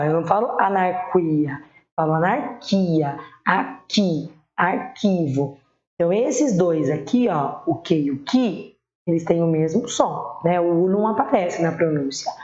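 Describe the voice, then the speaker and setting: A woman with a Brazilian accent teaching primary school children spelling, patiently sounding out words slowly. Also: lowish voice, lively intonation, a little mellow. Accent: Brazilian Portuguese. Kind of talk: online spelling lesson. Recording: echoey room, dull lo-fi sound.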